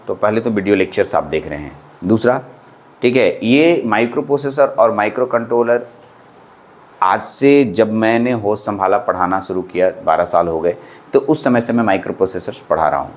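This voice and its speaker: Chatty low-voiced man teaching electronics. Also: moderate pace. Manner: chatty, reassuring, repeats phrases, says "theek hai" often. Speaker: polytechnic lecturer. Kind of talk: classroom lecture in casual Hindi with English terms.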